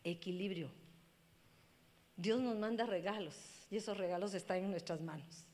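A woman pastor, preaching a sermon with impassioned swings between loud cries and hushed speech. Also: medium pitch, moderate pace. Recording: long hall reverb.

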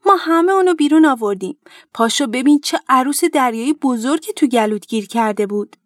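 A woman's voice: high voice, expressive, no room sound, studio quality. A woman voicing a small, eager fish who anxiously calls out for help, in a children's storybook tale. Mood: urgent worried. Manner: anxious, calling out loudly. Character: little friendly fish, eager helper.

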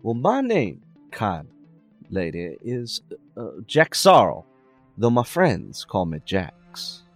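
Courtly feline rogue, played by a man, slow and halting, with big pitch swings, tabletop fantasy. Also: huge pitch swings, no room sound, faint music behind, heavily acted. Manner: halting, mannered politeness. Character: courteous, flamboyant male cat-man adventurer.

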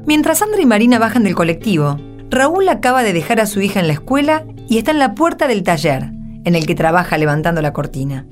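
An Argentine woman narrates a radio drama from a script. Her voice sits at a medium pitch, with music playing behind it. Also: big pitch swings, fast. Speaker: narrator and radio announcer reading the Gospel. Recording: background music under the voice.

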